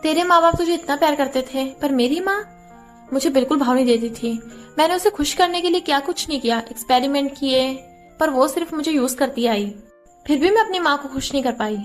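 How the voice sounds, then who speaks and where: A bitter, vengeful young cousin, read out by a woman narrator in a high voice. Faint music plays under the recap. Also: brisk, natural voice.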